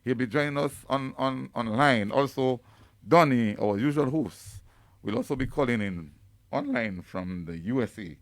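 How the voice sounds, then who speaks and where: A man's voice: medium pitch, animated, normal speed, no room sound, clean studio sound. Man hosting a radio talk show. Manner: formal announcer delivery with small restarts. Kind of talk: live radio political program. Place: radio studio. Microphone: studio microphone.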